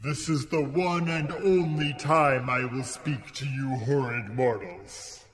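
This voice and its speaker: Man acting a slow, menacing sea monster. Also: mid-range voice, crowd noise, natural voice. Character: wrathful sea monster threatening mortals. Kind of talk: audio drama acting.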